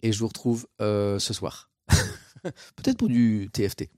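A male streamer chats casually with his viewers. He bursts into exaggerated, theatrical frustration. His somewhat low voice sounds dry and close. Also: huge pitch swings, a little slow, darkish tone, dry recording. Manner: theatrical mock exasperation, swearing. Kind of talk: casual live-stream chat.

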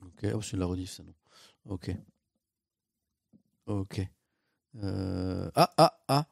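A man's voice: sits low, slow pace, vocal fry, dry recording, clean studio sound. A man, a live streamer chatting casually, given to theatrical mock exasperation and swearing.

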